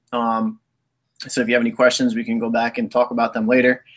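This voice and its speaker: A man speaks with an American accent. His intonation is monotone and flat. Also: quiet background. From New Jersey. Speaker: network marketer. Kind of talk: webinar presentation. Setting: video call. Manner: halting. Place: home room. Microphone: webcam.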